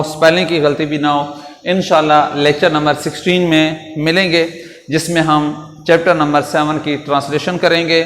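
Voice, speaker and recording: A male teacher from Pakistan giving a recorded English vocabulary lesson. He speaks slowly and deliberately, spells each word out letter by letter and repeats its meaning. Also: on the high side, fairly bright tone. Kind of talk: recorded classroom lecture. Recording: echoey room with long reverb.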